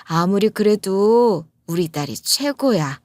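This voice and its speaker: A woman voicing a meek, gentle elderly mother who speaks slowly and softly in a story reading. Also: mid-range voice, lively intonation, no echo, clean studio sound. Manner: slow, soft-spoken.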